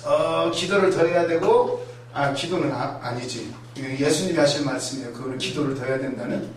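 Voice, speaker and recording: A man preaching a sermon in a lively, conversational way, acting out voices and asides. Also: on the high side, brisk. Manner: animated, acts out voices and asides. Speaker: pastor. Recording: echoey hall, mic far off, faint noise.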